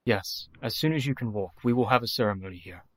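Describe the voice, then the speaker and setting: A man playing an earnest young doctor, measured and devoted, in a radio play. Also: on the low side, fairly bright tone, no room sound, close to an everyday voice. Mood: tender.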